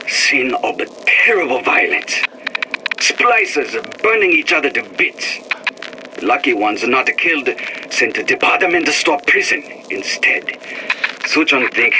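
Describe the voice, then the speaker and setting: A calculating, easily outraged male scientist dictates a game audio diary in broken English with an East Asian accent. His voice is fairly high and very animated, over a clearly noisy old recording. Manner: clipped broken English, refers to himself in third person.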